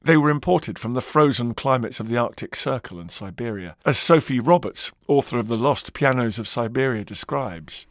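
A man's voice: medium pitch, moderate pace, few pauses, no echo, studio quality. A man narrating a scripted history documentary with dramatic, varied emphasis.

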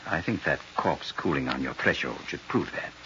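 An actor playing a cold, formal, soft-spoken murderous colonel in a 1940s radio crime drama, with an officer's precise manner. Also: male voice, rumbling low, expressive, normal speed. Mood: cold, threatening. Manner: formal, precise, coldly polite military officer. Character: soft-spoken, menacing male colonel, murderous gang boss. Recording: muffled, noisy old radio recording.

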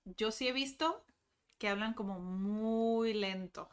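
A woman's voice: medium pitch, slow, smooth. A woman from Mexico hosting a casual podcast chat, prompting her guest with short questions. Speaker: podcast host.

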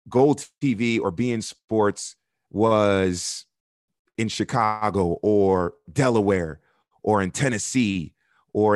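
A man's voice: lowish voice, no room sound. Broadcaster guy from miami on a podcast, frank and earnest, dry close sound. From Miami, United States. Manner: candid and earnest, builds points with repetition. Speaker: soccer broadcaster, podcast guest. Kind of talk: podcast interview.

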